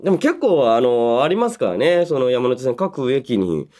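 A man's voice: medium pitch, big pitch swings, normal speed, darkish tone. A man in his thirties hosting a radio show solo, reading listener mail and musing aloud in a polite but casual way.

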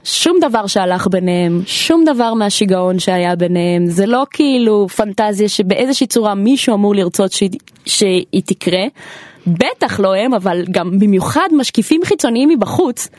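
Animated opinionated woman comedian, dry studio sound. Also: medium pitch, dry recording. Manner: animated, opinionated, laughs often. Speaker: comedian guest. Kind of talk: casual podcast chat.

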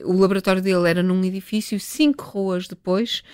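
Middle-aged woman, scientist guest, lively anecdotal storyteller, dry close sound. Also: medium pitch, a little fast, clean tone, dry recording. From northern Portugal. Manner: lively, chatty, with frequent restarts and laughs. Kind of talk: relaxed storytelling in a radio interview.

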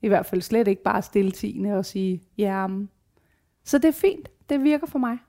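A woman's voice: medium pitch, animated, dark tone. A woman in her forties chatting casually and candidly, telling personal stories with swearing and acted-out quotes. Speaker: guest. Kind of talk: casual chat, personal storytelling.

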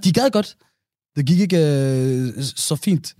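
Relaxed halting man, dry close sound. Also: fairly high pitch, no echo. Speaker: podcast co-host. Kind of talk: casual chat.

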